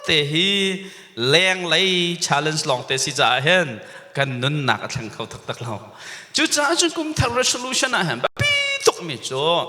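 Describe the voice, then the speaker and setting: High, lively preaching man in a hall. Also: unhurried. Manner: mixes English words into his preaching. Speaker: pastor. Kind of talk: sermon. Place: church sanctuary.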